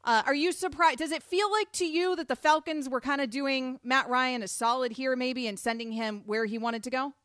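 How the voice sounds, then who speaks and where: A woman hosts sports talk radio in a brisk, upbeat, conversational manner. Her voice is smooth and clear, pitched a little high, and sounds close and dry on a studio microphone. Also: fairly bright tone, no room sound. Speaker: radio host.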